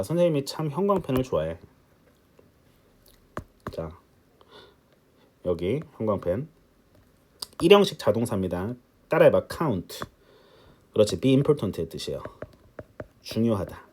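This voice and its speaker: A man giving a recorded English test-prep lecture, talking to his students at a middle pitch that rises and falls a lot. He keeps it chatty, with quick rhetorical questions and joking asides. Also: darkish tone. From Korea.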